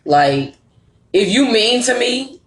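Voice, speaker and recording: A woman's voice: on the high side, sing-song, takes it slowly. A woman in her thirties in a casual podcast chat, talking boldly and emphatically. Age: 30s. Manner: bold, emphatic. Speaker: podcast guest. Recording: roomy echo.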